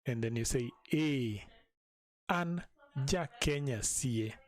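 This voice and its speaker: A man teaching a language in a live stream, patiently repeating each phrase slowly for learners. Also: mid-range voice, no room sound.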